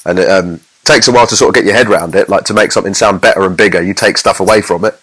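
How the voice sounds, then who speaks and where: Deep-voiced man explaining audio technique casually. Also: rapid-fire, a bit bright. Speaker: podcast co-host, mix engineer and teacher.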